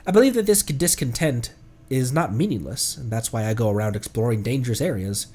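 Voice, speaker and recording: A man's voice: medium pitch, animated, a little fast, a little mellow, a little hiss or hum, natural voice. A man voicing an earnest, solemn adventurer from a fantasy game, reading the dialogue with feeling. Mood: earnest, resolute.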